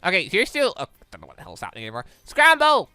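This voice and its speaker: A gamer giving casual let's play commentary, muttering moves and thinking out loud. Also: medium pitch, wildly swooping pitch, very fast, clear, resonant tone, no echo, clean studio sound, soft background music. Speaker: gaming video host.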